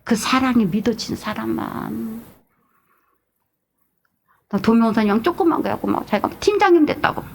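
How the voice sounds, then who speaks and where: Middle-aged woman pastor mid-sermon; lively, highish voice that swings from shouting to hushed asides. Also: normal speed, creaky, long pauses, a little hiss or hum. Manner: animated, shifts between shouting and hushed asides.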